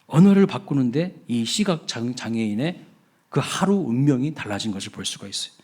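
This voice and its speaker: A man's voice: mid-range voice, lively intonation, fairly quick, darkish tone. A man, a pastor, preaching a Children's Sunday sermon in church, telling stories and asking the congregation questions. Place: church sanctuary.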